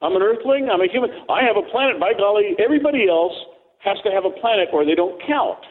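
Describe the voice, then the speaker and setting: Man, rambling joker, lively swooping voice, on the phone, tinny. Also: high voice, fast talker. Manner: rambling, joking storyteller. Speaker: co-host. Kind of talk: casual radio talk.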